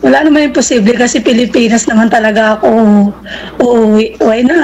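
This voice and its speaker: A woman's high-pitched, fairly quick speech over noticeable background noise. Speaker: caller on live dating show. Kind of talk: casual chat.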